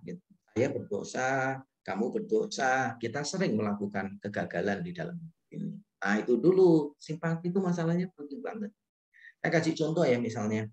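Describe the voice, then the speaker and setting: A middle-aged man, a pastor, giving a relaxed sermon talk, telling stories and acting out quoted dialogue with lots of fillers. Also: medium pitch, roomy sound. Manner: casual storytelling with frequent fillers and quoted dialogue.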